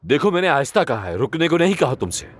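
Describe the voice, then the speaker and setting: Patient, coaxing husband. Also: male voice, on the high side, sing-song, fast, background noise. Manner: coaxing, soothing. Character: patient middle-aged husband teaching driving. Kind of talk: dubbed TV drama.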